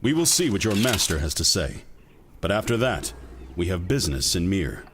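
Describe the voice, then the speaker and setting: A man's voice: sits low, big pitch swings, moderate pace, background noise. A man voicing a guarded male captain with clipped, wary lines while reading a tabletop game aloud.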